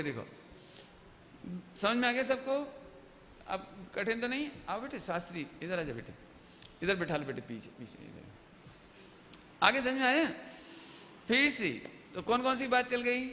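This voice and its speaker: A male preacher giving a lively sermon-lecture, asking the audience questions and acting out everyday examples. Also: high voice. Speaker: Jain preacher. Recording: echoey hall, faint background noise.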